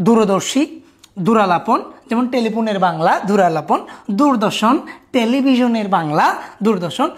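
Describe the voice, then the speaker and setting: A woman, a teacher giving a recorded spelling lesson, explaining patiently and often telling listeners to look closely. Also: mid-range voice.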